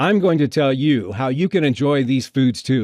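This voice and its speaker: Here is a man with a plain, everyday voice at a medium pitch. He speaks at a moderate pace with ordinary pitch variation. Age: 60s. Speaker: pitchman for a diet program. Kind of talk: sales pitch.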